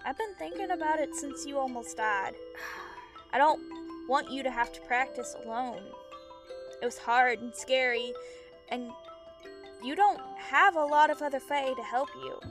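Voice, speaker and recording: A woman's voice: sits high, measured pace, pauses often, over music. A woman acting in an audio drama as a young Fae companion, earnest and reassuring, speaking plainly and sincerely.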